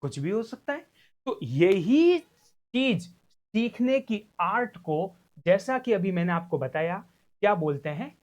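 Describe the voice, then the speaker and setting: Unhurried man lecturing with lively pitch. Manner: conversational, keeps asking students rhetorical questions; mixes English legal terms into Hindi speech. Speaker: law lecturer. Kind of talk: recorded exam-prep lecture.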